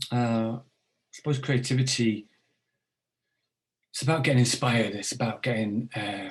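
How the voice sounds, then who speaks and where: Somewhat breathy, a man speaks at a moderate pace in a medium pitch with fairly even intonation and long, frequent pauses. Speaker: artist and teacher. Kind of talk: interview. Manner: halting.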